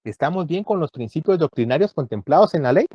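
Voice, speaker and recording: A man teaching a university law class, explaining each point slowly and checking in with his students again and again. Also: fairly high pitch, expressive, slightly rough, no echo, dull audio. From Guatemala. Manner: explanatory, checks understanding with frequent "¿verdad?". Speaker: law lecturer. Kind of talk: university lecture.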